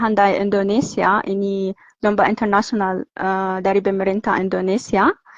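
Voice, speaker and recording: A woman with an Arabic accent, fairly high pitch, moderate pace. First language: Arabic (speaking Indonesian). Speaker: foreign student of Indonesian. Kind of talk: interview on live stream. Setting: at home, live video call. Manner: halting, many fillers.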